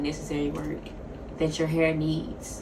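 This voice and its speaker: A woman speaks quietly at a fairly low pitch, with audible room echo and noticeable background noise. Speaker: health vlogger. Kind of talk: casual monologue.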